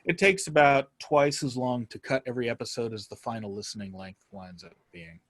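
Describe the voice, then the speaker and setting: Male interview guest, medium pitch, casual, stumbling and roundabout phrasing, dry recording. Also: no echo. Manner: halting, circles a topic before landing on it. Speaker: podcast guest, writer and podcaster.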